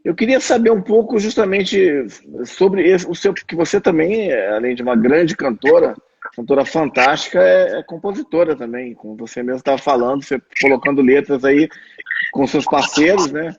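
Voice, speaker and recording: A man's voice: fairly high pitch, normal speed, creaky, slightly rough. A Brazilian man hosting a casual interview as the interviewer. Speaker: interviewer, host. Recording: dull, lightly noisy online connection.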